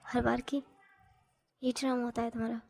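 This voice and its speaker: Brief: narrator doing a sharp, scolding young wife, high and flat, husky with a gravelly edge. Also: female voice, normal speed. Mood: angry. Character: angry cold young married woman.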